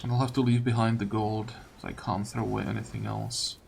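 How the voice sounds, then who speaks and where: A man giving casual let's-play commentary, thinking aloud as he deliberates over his choices. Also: on the low side, flat delivery, creaky, a little mellow, a little hiss or hum. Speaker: gamer commentating his playthrough. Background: faint game music.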